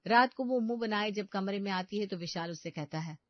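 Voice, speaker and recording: A woman giving scripted narration of a family story in a steady, matter-of-fact way. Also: mid-range voice, fairly quick, no room sound. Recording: dry, dull lo-fi sound.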